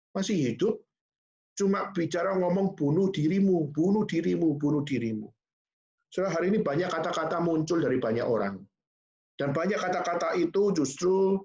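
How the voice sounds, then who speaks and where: A male pastor preaching a sermon, asking the congregation rhetorical questions and slipping in English phrases. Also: on the high side. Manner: preaching with rhetorical questions, addressing listeners as "Saudara"; mixes English phrases into speech. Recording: echoey church hall, dull sound.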